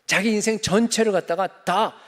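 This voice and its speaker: A man's voice: sits high, moderate pace. A man, a pastor, preaching a conversational sermon, often asking the congregation questions and acting out the voices from scripture stories. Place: church sanctuary. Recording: long church hall reverb.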